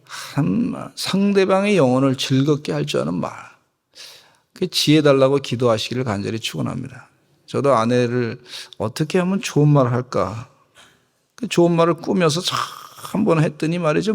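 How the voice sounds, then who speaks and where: With a gravelly voice of medium pitch, a male pastor gives a sermon, joking with his congregation and having them echo phrases after him. The setting is a church sanctuary, captured with an echoey hall sound.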